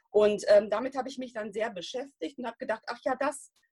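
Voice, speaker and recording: A woman in an ordinary speaking voice, fairly high-pitched with lively intonation, in a dry, close sound with no echo. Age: 40s. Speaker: interview guest. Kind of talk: interview.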